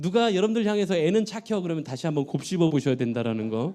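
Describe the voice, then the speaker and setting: In a Chungcheong accent, a man with a fairly high pitch and a dark, mellow tone swings very widely in pitch. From Chungcheong, South Korea (Cheonan). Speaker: guest pastor. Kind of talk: sermon. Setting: church. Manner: fast.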